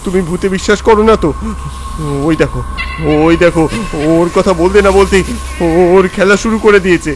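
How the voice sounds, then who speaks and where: A man's voice: high-pitched, fairly even intonation, moderate pace, natural voice. A man playing a frightened poor villager in a horror story, stammering and repeating his words. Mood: panicked. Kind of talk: dramatic horror audio story acting. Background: background music.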